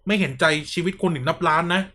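Fast-talking high-voiced man ranting. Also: pushed and bright. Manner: blunt, ranting, uses crude slang. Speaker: podcast co-host. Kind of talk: casual podcast chat.

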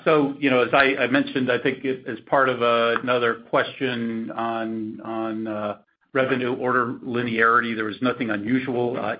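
A man speaking as a company executive answering analysts on an earnings call, in a halting, measured way. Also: mid-range voice. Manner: halting, hedged, measured delivery. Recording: muffled, lo-fi conference call audio.

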